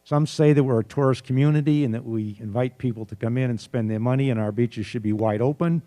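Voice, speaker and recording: A man acting as forum moderator, reading questions out in a measured, neutral, explanatory way. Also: medium pitch, warm tone. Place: arts center candidate forum.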